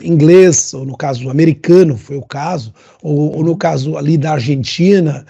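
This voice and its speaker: A man from northern Portugal speaks in a husky, gravelly voice with a European Portuguese accent bent toward Brazilian. He talks in an animated way, full of fillers and asides. The sound is dull and lo-fi. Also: fairly high pitch, moderate pace. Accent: European Portuguese, adapted toward Brazilian. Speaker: guest, LinkedIn consultant. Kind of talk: casual interview chat.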